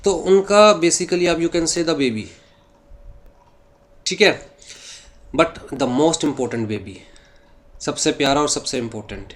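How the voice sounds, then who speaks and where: This is a law classroom lecture: the teacher, a man with a fairly high voice, reads English passages at a slow pace in an Indian English accent, then explains each point by blending Hindi and English and answering his own questions.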